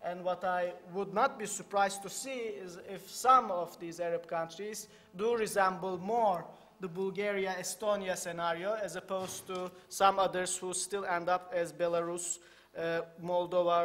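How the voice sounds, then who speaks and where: A man with as his gives a measured, halting conference lecture in a hall, with frequent fillers. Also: high-pitched, steady tone, fairly bright tone. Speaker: academic lecturer.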